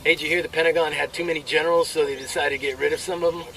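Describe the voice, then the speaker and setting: An actor playing a brash, crude army soldier telling jokes with swaggering military banter and drawn-out delivery. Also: male voice, a little high, steady tone, sharp tone, distant mic, low-quality recording. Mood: cocky, joking. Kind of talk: military banter, performed joke storytelling.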